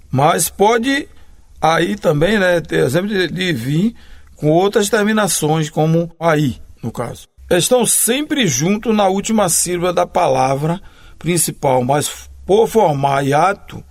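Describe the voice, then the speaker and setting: A male grammar teacher giving a lesson, spelling out letters one by one and answering his own questions. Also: on the high side. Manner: slow, deliberate, spells out letters and pauses between phrases. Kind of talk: recorded classroom lesson.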